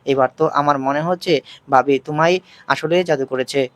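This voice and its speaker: A man reading as a sneering younger brother, mocking and taunting, slightly high in pitch. The recording is close and dry. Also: steady tone, moderate pace, a bit bright, dry recording, natural voice.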